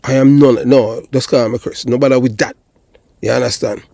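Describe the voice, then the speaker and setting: A Jamaican man in his fifties hosting a casual conversation. His mid-pitched voice comes through dry and close. He repeats himself for emphasis and keeps checking that he is understood. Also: steady tone, normal speed, gravelly, dark tone, no echo. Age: 50s. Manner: repetitive, emphatic, asks for confirmation. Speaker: online show host. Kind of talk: casual phone conversation and commentary.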